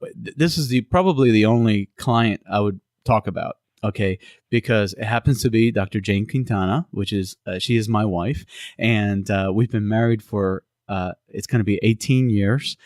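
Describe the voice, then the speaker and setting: A man's voice: lowish voice, no room sound. Man from Cuba hosting a podcast, dry sound. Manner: halting, many fillers and restarts. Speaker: podcast host. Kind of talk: casual interview podcast.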